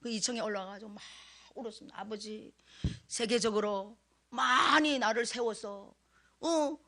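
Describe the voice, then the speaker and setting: A middle-aged woman preaching a sermon in a church, telling a personal story with strong emotion, dropping to a hush and rising to loud pleading. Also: fairly high pitch, moderate pace. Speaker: guest preacher. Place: church sanctuary. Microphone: handheld microphone.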